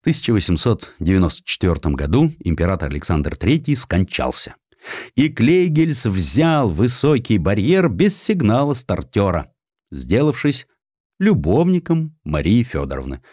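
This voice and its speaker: Male narrator, fairly low pitch, highly animated, theatrical, ironic, historical storytelling, dry close studio sound. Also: normal speed, no room sound. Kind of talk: dramatized narration of historical sketches. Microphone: close studio microphone.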